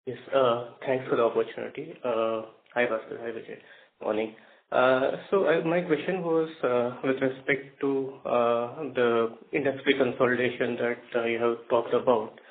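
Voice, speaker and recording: A man, an analyst, asking a halting question on an earnings call. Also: medium pitch, fairly even intonation. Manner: halting, many fillers. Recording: tinny phone line with faint noise.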